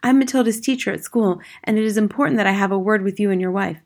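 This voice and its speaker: A woman's voice: mid-range voice, fast talker, a little mellow, lightly acted. A woman voicing a slim, polite but resolute schoolteacher in an audiobook, earnest and firm. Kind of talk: acted audiobook dialogue.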